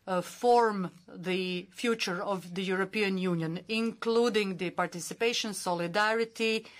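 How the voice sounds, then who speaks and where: A woman simultaneously interpreting formal conference speeches, with many filler pauses and a steady, formal delivery. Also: mid-range voice.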